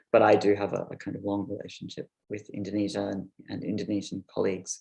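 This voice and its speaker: A man with an Australian accent, a fairly low pitch, and a dark, mellow tone, speaking at a very fast pace in a flat monotone, with big swings in loudness. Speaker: anthropologist, lecturer. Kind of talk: academic lecture. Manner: halting, many fillers.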